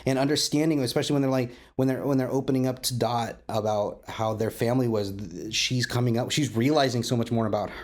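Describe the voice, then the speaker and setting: A man's voice: mid-range voice, fairly even intonation, fast, hardly any pauses, darkish tone. A man hosting a roundtable discussion, talking enthusiastically and often repeating or rephrasing mid-sentence. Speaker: podcast host and interviewer.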